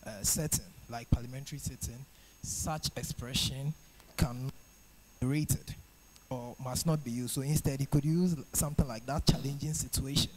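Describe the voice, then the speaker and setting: A young man with a Ghanaian English accent raising a point of order in a student parliament, deliberate and formal. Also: mid-range voice, fairly even intonation, slight background noise, rough recording. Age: young adult.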